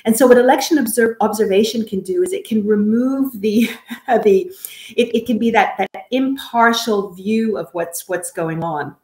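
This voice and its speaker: A woman from Canada speaking as an expert guest, giving measured, careful explanations in an interview. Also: medium pitch, a little mellow. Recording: roomy, echoey sound.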